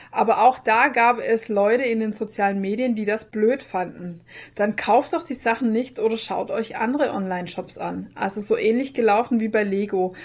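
A woman co-hosting a podcast in casual, chatty, expressive conversation. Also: mid-range voice, breathy edge. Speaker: podcast co-host.

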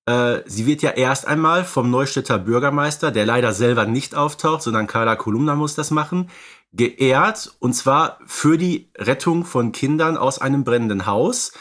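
A man's voice: mid-range voice, moderate pace, fairly bright tone. A man co-hosts a podcast, casually explaining and discussing films in a conversational way. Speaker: podcast co-host.

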